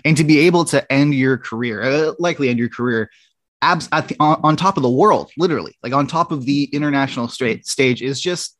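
A man's voice: medium pitch, fairly quick, a bit bright, dry recording, studio quality. A man, a guest sports writer, chatting enthusiastically with frequent restarts. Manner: enthusiastic, many restarts and stammers. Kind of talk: casual sports chat.

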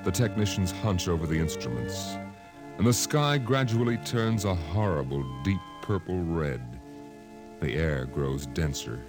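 An actor as the solemn, portentous narrator of a 1950s radio drama, speaking deliberately and dramatically. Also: male voice, low voice, animated. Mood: ominous, solemn. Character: solemn male narrator of a doom-laden tale. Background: dramatic music.

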